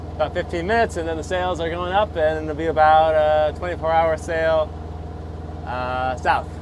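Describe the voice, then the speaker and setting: A man's voice in a dry sound with no echo, over noticeable background noise. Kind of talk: casual vlog chat. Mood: cheerful, relaxed. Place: boat. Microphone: lapel.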